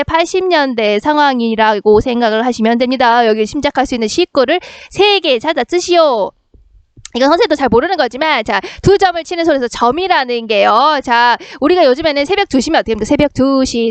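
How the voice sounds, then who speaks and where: Brisk, high-voiced woman teacher. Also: dry recording. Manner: brisk, question-and-answer teaching rhythm, frequent "자" prompts. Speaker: middle school Korean literature teacher. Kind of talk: recorded lesson explaining a worksheet.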